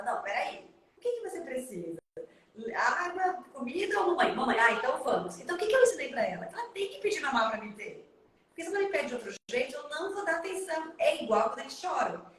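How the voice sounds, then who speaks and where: A woman in her thirties with a Brazilian accent, giving parenting advice live over a video call, fast and emphatic. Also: high voice, fairly bright tone, very echoey, far from the mic, slight background noise. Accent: Brazilian Portuguese. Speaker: parenting consultant.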